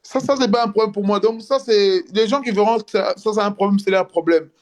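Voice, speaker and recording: A man speaking as a guest in a casual live video chat, earnest and halting, with many restarts. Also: high voice. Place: in France.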